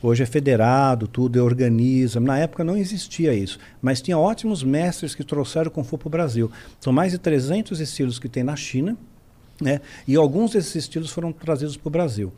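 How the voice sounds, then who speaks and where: Brazilian guy telling a wild story, kinda high voice, does all the voices. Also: fairly quick. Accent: Brazilian Portuguese. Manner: animated, acts out quotes. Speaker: podcast guest. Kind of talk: casual storytelling.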